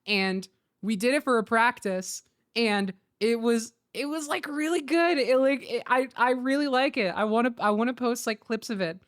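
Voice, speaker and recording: Giggly, excitable young woman streamer. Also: fairly high pitch, moderate pace. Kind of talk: casual livestream chat.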